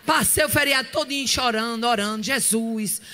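A woman preacher, telling a story in a fervent sermon that breaks into shouts. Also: high voice, brisk, slight background noise. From Northeast Brazil. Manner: shouting bursts and tongues, fervent.

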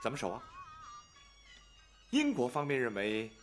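A man's voice: medium pitch, wildly swooping pitch, measured pace. An actor playing a smug, ingratiating man who works for the British in a period TV drama, with a Beijing accent. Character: smug man working at the British legation, John. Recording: drama soundtrack with faint music.

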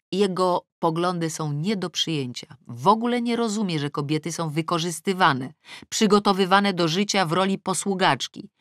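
A woman's voice: deep voice, fairly bright tone, no echo. A woman reading a novel aloud in the first person, with a wry, dryly ironic storytelling manner, recorded close in a studio. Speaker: audiobook narrator.

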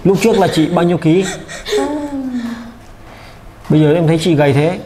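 A man vlogger gently interviewing a family and talking to his viewers, soft-spoken and hesitant, often repeating his words. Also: a little high, fairly even intonation, normal speed, a crowd in the background.

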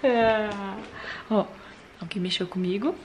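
A woman vlogging casually to her viewers from a bedroom at night, talking in a chatty way that often drops to a hushed murmur. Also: mid-range voice, slow pace, roomy sound, slight background noise. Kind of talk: casual vlog chat to viewers.

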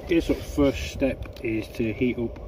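A man's voice: mid-range voice, a little slow. A man giving a casual, unscripted step-by-step cooking narration outdoors, thinking aloud as he goes. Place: outdoors at a woodland camp, beside a cooking pan. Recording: distant mic, loud sizzling frying noise. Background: frying and bubbling food.

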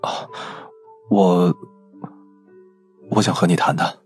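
A man voicing an awkward, gently concerned man in love in an audiobook, speaking hesitantly. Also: deep voice, fairly even intonation, takes it slowly, husky, soft background music, pitched below the performer's own voice, exaggerated voice. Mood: tender, hesitant. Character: awkward, tender, lovelorn man, a company president.

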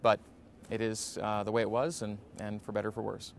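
Forties male announcer, low voice, easygoing interview answers, faint hiss underneath. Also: a little fast, vocal fry. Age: 40s. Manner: relaxed, reflective, many fillers. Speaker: play-by-play radio announcer. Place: empty indoor basketball arena.

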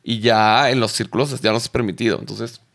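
Quick, joking Mexican man. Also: mid-range voice, steady tone, vocal fry, fairly bright tone. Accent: Mexican Spanish. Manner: joking, slangy, blunt asides. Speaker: host. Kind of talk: casual chat.

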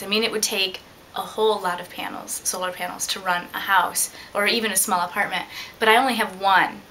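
A young woman speaks in a casual, reflective interview style. Her voice is bright and sits at a middling pitch, with faint noise behind it. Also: poor audio. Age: young adult. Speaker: liveaboard sailor being interviewed. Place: indoor room, seated.

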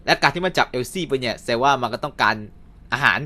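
A young man casually recapping and reviewing a cartoon episode, chatty with quick asides. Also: medium pitch, expressive, sharp tone.

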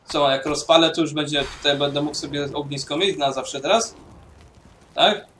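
A man's voice: a little high, steady tone, moderate pace, fairly bright tone, recorded from a distance, a little hiss or hum. A man casually commenting on his own gameplay, mumbling to himself and swearing now and then. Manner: mumbling to himself while playing. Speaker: gaming YouTuber. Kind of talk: casual let's-play commentary.

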